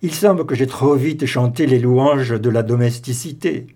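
A man's voice: medium pitch, normal speed, warm tone, husky. A man voicing a fussy, precise Belgian detective in an audiobook, with a prim, finicky manner. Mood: rueful.

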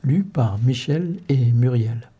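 A man's voice: medium pitch, expressive, slow pace, dark tone, husky, highs cut off. A man introducing an audiobook excerpt in a formal presenting manner. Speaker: announcer.

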